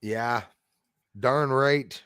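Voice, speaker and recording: A Canadian man in his forties hosts a casual livestream. His talk rambles and halts as he responds to his chat, in an average-pitched voice. The sound is dry, with hardly any room on it. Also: fairly even intonation, fairly bright tone, clean tone, no room sound. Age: 40s. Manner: rambling, halting, greeting viewers by name. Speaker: livestream host. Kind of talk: casual live chat, reacting to viewer comments.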